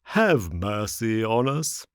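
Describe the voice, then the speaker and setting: A man voicing a sly old fox fallen into beggary, tearful and whining, begging in slow, drawn-out phrases. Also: on the low side, very animated, clear, resonant tone, no room sound, studio quality. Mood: pleading.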